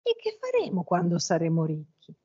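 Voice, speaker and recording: A woman's voice: lowish voice, wildly swooping pitch, moderate pace, mellow, breathy edge, dull audio, exaggerated voice. A woman reading as a weary old grandfather. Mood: sorrowful. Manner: sorrowful, stubborn.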